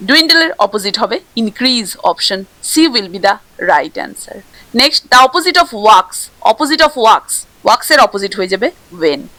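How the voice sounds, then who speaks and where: A woman teacher with a Bengali accent going through exam questions. She reads each question slowly in English and then explains the answer quickly in Bengali. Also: fairly high pitch, sharp tone, no room sound, poor audio.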